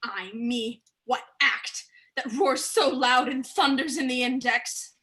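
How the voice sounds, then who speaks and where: A woman's voice: high voice, takes it slowly, pushed and bright, full character voice. A woman playing an indignant, frightened queen and mother in a theatrical reading of Shakespearean verse. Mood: wounded, pleading. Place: remote livestream from home.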